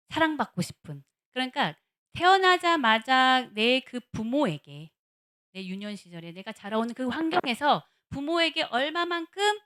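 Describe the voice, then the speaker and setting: A woman lecturing to a church audience in a lively, animated voice that swings widely up and down. Her voice sits a little higher than most women's. She keeps asking the room questions and acts out the words of the people she talks about. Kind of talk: church lecture on counseling psychology.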